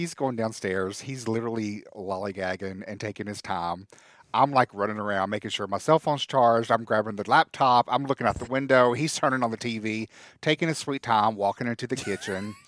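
Speaking very fast in an American accent, a man uses a medium pitch and ordinary pitch variation, with a dry, close sound and no echo. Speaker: podcast producer. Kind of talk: casual chat.

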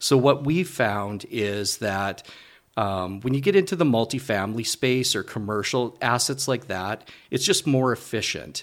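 Here a man uses a plain, everyday voice, speaking at a fairly slow pace with ordinary pitch variation. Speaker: real estate investor and admin. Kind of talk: casual interview chat.

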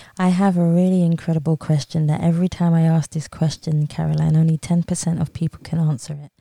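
A woman speaks with a fairly low, somewhat breathy voice in a dark, mellow tone, flat and monotone in intonation. Her pace is fairly quick with hardly any pauses, and the sound is dry and close with no echo. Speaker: podcast host. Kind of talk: interview.

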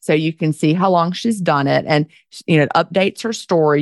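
A woman talks at a fairly quick pace in a plain, everyday voice, fairly low with ordinary pitch variation. The sound is dry and close, with no echo. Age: 50s. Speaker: author and intermittent fasting expert. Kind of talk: interview.

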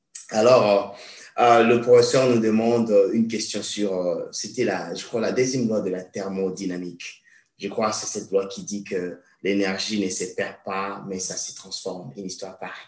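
Speaking at a fairly slow pace, a man with a fairly low pitch and fairly even intonation shows big swings in loudness, with audible room echo. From Congo. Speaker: podcast host and political science lecturer. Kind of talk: casual chat.

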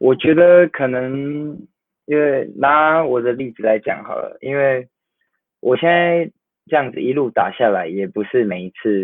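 Fairly slow and fairly high-pitched, a man speaks in an unremarkable speaking voice with lively intonation. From Taiwan. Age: 20s. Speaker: university baseball player. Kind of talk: interview. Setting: online call.

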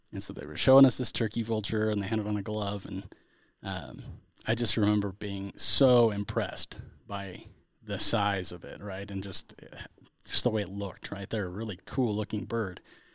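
A man with a plain, everyday voice and an American accent speaks at a moderate pace, his intonation fairly even but his loudness swinging widely. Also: fairly low pitch for a man. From Central California. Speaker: former podcast host, biology graduate. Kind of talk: casual interview.

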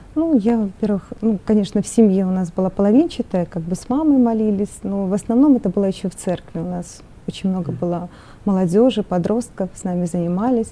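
Talking at a very fast pace, a woman with a medium pitch and a dark, mellow tone shows ordinary pitch variation and big swings in loudness. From Belarus, Pinsk. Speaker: pastor's wife. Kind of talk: testimony. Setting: studio.

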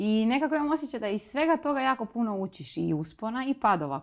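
Very wide pitch swings mark this voice, heard against a quiet background. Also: woman. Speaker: podcast host. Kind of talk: casual interview. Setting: studio with cameras. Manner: warm, animated.

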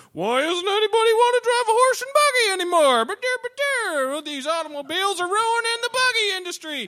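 A put-on character voice, extremely high in pitch, moves at a fairly quick pace. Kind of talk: old-fashioned period speech.

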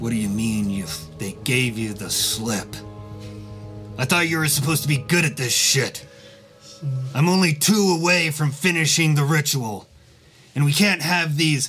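A man puts on a character voice with a fairly high pitch, speaking at a moderate pace. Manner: angry, contemptuous, threatening; foul-mouthed, impatient.

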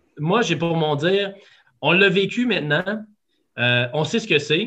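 A man in a Quebec accent speaks with a high pitch and lively intonation. His pace is moderate. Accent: Québécois French. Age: 40s. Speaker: entrepreneur. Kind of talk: casual interview.

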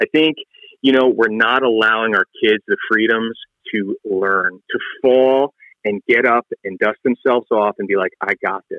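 With an ordinary speaking voice, a man keeps a moderate pace and fairly even intonation. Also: medium pitch for a man. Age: 40s. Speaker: psychiatrist. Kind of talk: casual interview. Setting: phone call. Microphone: phone line, boosted audio.

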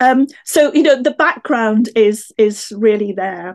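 Lively intonation in a Northern Irish accent. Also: woman. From Northern Ireland. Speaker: historian, needlework scholar. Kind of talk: interview, informative explanation.

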